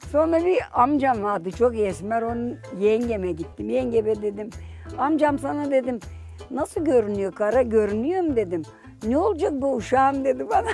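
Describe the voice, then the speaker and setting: A woman with a Bulgarian accent talks at a moderate pace. The sound is dry with no echo, and faint music plays in the background. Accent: Bulgarian Turkish. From Bulgaria, Shumen region. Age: 70s. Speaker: Balkan emigrant. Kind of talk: interview answer. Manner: talkative. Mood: warm, cheerful storytelling.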